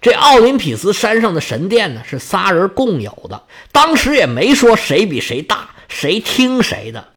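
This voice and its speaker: A blustering old sea god, voiced by a male storyteller, complains loudly about being wronged and then talks big and defiant. His voice sits high and swings up and down a lot. It sounds like a comic storybook telling. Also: huge pitch swings, moderate pace, few pauses, heavily acted. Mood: aggrieved. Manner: indignant, grumbling, boastful.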